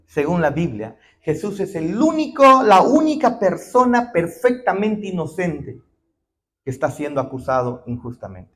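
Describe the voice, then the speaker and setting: A man preaching a sermon, emphatic and rising to shouted declarations, often calling listeners brother. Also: sits high, sing-song, measured pace.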